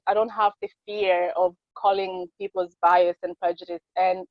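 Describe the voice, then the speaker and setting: A woman's voice: on the low side, little pitch movement, normal speed, dry recording, lo-fi sound. Earnest French-native woman, late twenties. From Congo. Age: late 20s. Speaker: podcast guest. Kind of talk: casual conversation.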